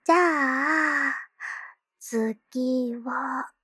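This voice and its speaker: Actress as a doting, teasing schoolgirl sister in an ASMR roleplay; slow, bright, airy whispering. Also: high voice, slightly rough, no echo, studio quality, full character voice. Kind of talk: ASMR roleplay with ear cleaning.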